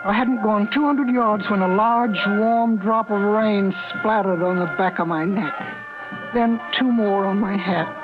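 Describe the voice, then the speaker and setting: A man's voice: high voice, measured pace, music in the background. An actor playing a timid, polite young male tourist who is lost, with a stammering, hesitant way of talking. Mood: anxious. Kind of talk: 1950s radio drama acting. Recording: hissy lo-fi 1950s radio broadcast.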